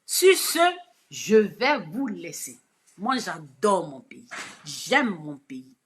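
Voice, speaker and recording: A woman with an Ivorian French accent giving an impassioned, preachy live video address, swinging from shouted lines to hushed asides. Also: lowish voice, very animated, slow pace. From Côte d'Ivoire. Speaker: online commentator.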